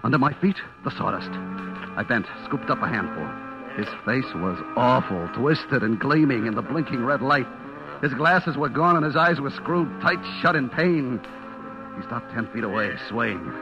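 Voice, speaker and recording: Medium in pitch and expressive, a man speaks at a normal speed on a muffled recording, lightly acted, as a guilty, terrified man hunted by a vengeful butcher. His first-person narration recalls 1940s-50s radio suspense, breathless and dramatic, moving from hushed dread to frantic cries in a mood of tense dread. Dramatic music plays behind this old-time radio broadcast.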